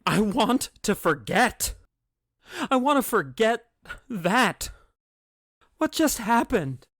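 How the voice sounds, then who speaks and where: Radio play everyman, played by a man: anxious and guilt-ridden, hesitant pleading, unhurried, close dry sound. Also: sits high, very animated, fairly bright tone, no echo, exaggerated voice. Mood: resolute, troubled. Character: anxious, guilt-ridden middle-class American family man, Charlie.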